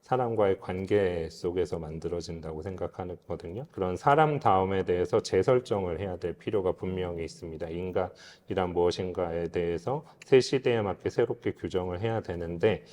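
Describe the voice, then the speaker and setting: Man, low voice, earnest reflective expert, lecture-like interview explanations, long room reverb. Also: moderate pace, hardly any pauses, a little mellow. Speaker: guest expert, philosopher and author. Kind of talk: explanatory interview talk on philosophy.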